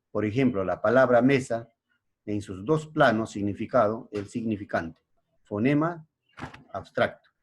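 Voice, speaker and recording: A middle-aged male secondary school teacher with a Peruvian Spanish accent gives a slow classroom lesson. He keeps checking in with his pupils. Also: lowish voice, darkish tone, slightly rough. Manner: slow, explanatory, frequent checking tags.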